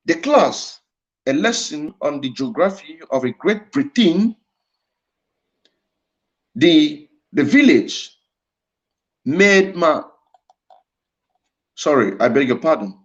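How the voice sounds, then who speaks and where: High-voiced Nigerian man, slow emphatic lecture. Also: sing-song. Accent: Nigerian Igbo. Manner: emphatic, repeats phrases for weight. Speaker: speaker at a livestreamed address. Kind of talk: impassioned lecture. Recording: dull lo-fi stream audio.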